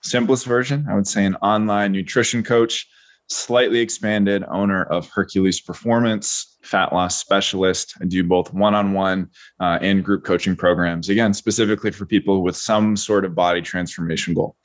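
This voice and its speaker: A young man in his twenties with a lowish voice, recorded dry and close with almost no room sound. He speaks in a measured, articulate way, slipping in deadpan jokes, and sounds a little tired. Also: dry recording. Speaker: guest, online nutrition coach. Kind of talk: casual interview chat.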